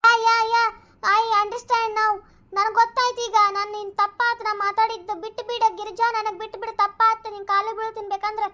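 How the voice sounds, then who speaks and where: Cartoon show-off lady, voiced by an actor, squeaky high voice, bright, broken english bits, begging. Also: level tone, a little fast. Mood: pleading. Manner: broken English phrases, pleading. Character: showy village woman mixing broken English, cowed. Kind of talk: cartoon comedy voice acting.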